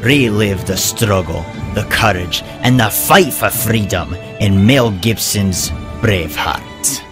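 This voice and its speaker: A man's voice: on the low side, slow, few pauses. A man, a voice actor, delivering scripted commercial narration. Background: background music.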